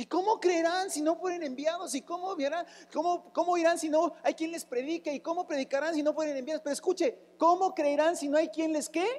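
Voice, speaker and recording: The speaker keeps a fairly quick pace with hardly any pauses. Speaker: pastor. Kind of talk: sermon. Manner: animated.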